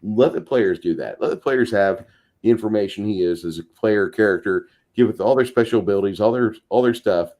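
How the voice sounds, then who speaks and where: A man's voice: on the low side, brisk, darkish tone. A man on a tabletop gaming talk show, chatting casually in a blunt, profane, emphatic way and acting out imagined quotes. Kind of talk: casual discussion of game mastering.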